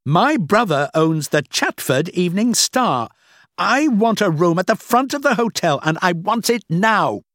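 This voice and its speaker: A man voicing an angry, self-important thin white-haired man in a storybook, shouting and demanding in a pompous way. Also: mid-range voice, huge pitch swings, measured pace, creaky, hardly any pauses, no echo, studio quality, pitched above the performer's own voice, heavily acted. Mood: furious, demanding.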